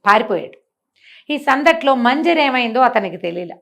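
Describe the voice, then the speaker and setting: An older woman telling a traditional story in a chatty, animated way, adding her own comments. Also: a little high, moderate pace. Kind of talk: oral storytelling with asides.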